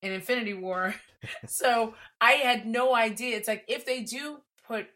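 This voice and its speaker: A woman guest on a podcast, chatting casually in an animated way with quick asides and frequent laughs. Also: fairly high pitch. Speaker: podcast guest, entertainment writer. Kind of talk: casual chat.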